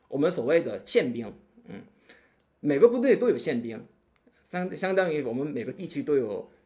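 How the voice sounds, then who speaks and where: Speaking at a moderate pace with a Korean accent, this man has a dark, mellow tone with vocal fry and very wide swings in pitch. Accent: Korean-accented Mandarin. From South Korea. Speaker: doctoral student. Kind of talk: casual chat. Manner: halting.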